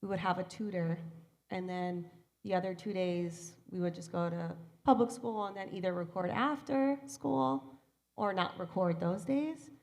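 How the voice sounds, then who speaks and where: A woman's voice: on the low side, moderate pace, vocal fry, darkish tone. A woman in her thirties, a voice actor guest chatting animatedly on a convention panel with a handheld mic. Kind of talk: casual panel chat.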